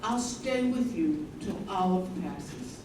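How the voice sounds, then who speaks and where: A woman's voice: on the low side, animated, slow pace. A woman reading as an ensemble narrator in a scripted staged play reading. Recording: very echoey stage, distant mic, noise.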